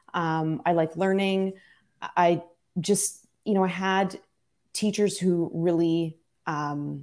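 This woman has a Canadian accent and a dark, mellow tone at medium pitch. The recording is very clean, with a silent background. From Ontario, Canada. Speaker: primary school teacher. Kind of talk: interview. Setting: live video stream.

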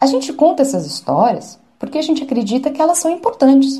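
A woman is speaking. Her pitch is fairly high. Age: 30s. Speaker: journalism professor. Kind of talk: explaining to children.

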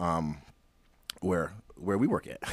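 A man's very deep, low voice with an American accent, ordinary pitch variation and a moderate pace, on a very clean recording with a silent background. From North Carolina (Rocky Mount). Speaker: massage therapist. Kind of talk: radio interview. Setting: radio studio.

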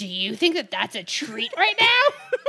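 A woman puts on a character voice at an extremely high pitch with a menacing tone. She speaks at a moderate pace.

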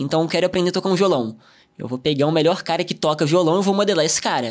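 With ordinary pitch variation, a man delivers his words at a very fast pace. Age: 20s. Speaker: e-commerce entrepreneur and course creator. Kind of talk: interview conversation.

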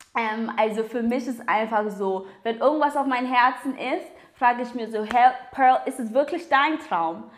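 Speaking at a fairly slow pace, a woman talks in a high pitch. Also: ordinary pitch variation. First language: not German (speaking German). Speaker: computer science student. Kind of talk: interview.

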